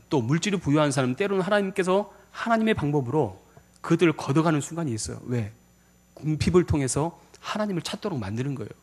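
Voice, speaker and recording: A man's voice: a little high, breathy edge. A male pastor preaching a sermon in a church, asking the congregation questions. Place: church sanctuary.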